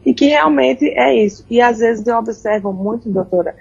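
Husky, gravelly woman radio host. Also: a little high, normal speed. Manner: sums up and agrees with the guest. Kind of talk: interview chat. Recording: dull lo-fi sound.

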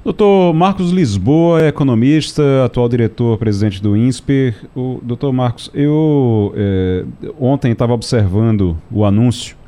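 A man from Brazil hosting a radio talk show, introducing a guest and putting an animated question to him. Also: medium pitch, unhurried, hardly any pauses, a little hiss or hum. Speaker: radio host.

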